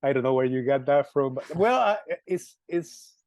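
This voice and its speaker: A middle-aged man from Colombia, speaking English with a Colombian Spanish accent as a musician being interviewed. He talks haltingly, repeating words and restarting often. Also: mid-range voice, lively intonation, a little mellow, no room sound. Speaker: musician guest. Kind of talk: interview answers.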